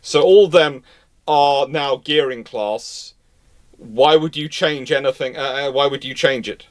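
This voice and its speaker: A man's voice: mid-range voice, unhurried, dry recording, studio quality. A man hosting a live history panel, explaining off the cuff and emphatically repeating phrases for stress. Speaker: host of a live naval history question panel. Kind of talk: off-the-cuff expert commentary in a live discussion.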